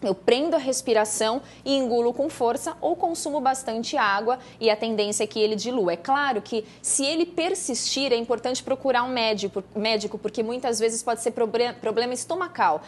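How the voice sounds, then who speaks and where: A woman's voice: a little fast, hardly any pauses. A woman with a Brazilian accent giving articulate, explanatory interview answers as a speech therapist guest, in a didactic way. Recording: faint low rumbling background noise.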